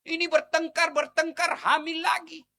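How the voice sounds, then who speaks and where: High bright-voiced male preacher. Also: normal speed, creaky. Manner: animated, acts out wives and husbands, sings snippets. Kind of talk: humorous sermon to a crowd.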